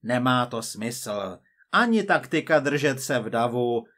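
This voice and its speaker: A man voicing a cold, persistent male agent from the future, measured and quietly menacing. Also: mid-range voice, big pitch swings.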